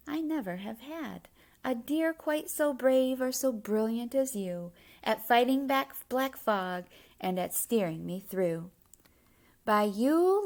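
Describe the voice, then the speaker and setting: A kindly old Santa from a children's storybook, as voiced by a woman reader, speaks slowly and earnestly. The voice sits fairly high, with a grateful, ceremonious manner. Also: vocal fry, exaggerated voice.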